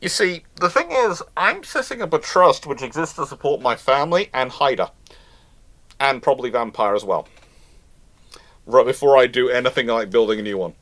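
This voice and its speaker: A man hosts a live, unscripted discussion. His voice is bright and moves animatedly up and down in pitch. He often halts and rewords his point mid-flow. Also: lively intonation, moderate pace. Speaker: host of a live question panel.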